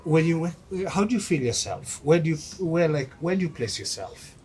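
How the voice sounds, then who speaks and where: A man's voice: a little high, big pitch swings, normal speed, a little mellow, a little hiss or hum. A man hosting a casual interview, asking long, rambling questions full of fillers.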